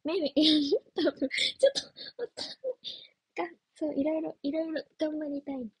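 A woman's voice: high-pitched, moderate pace, no echo. A young woman chatting casually on a livestream as an idol trainee, giggly and playful as she answers viewer comments. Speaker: idol trainee streaming live.

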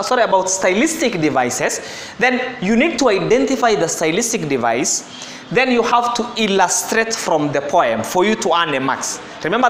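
A man with a fairly high voice, teaching an exam-prep lesson. He explains step by step, repeating words and correcting himself as he goes. The sound is echoey, as if from a bare room. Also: a bit bright, slight background noise.

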